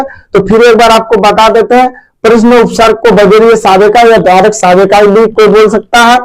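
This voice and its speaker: A man's voice: sits high, smooth, poor audio. A man teaching a grammar lesson to pupils at a board, repeating key words and quizzing them. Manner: addresses pupils as "मेरे प्यारे बच्चों".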